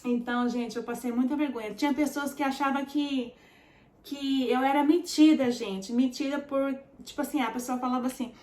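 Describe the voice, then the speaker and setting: A woman's voice: sits high, fairly even intonation, moderate pace, a little mellow, echoey room. A Brazilian woman in her forties with a Brazilian Portuguese accent, casually telling her story to viewers, chatty and full of fillers. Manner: chatty, addresses viewers as "gente", many fillers. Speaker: vlogger.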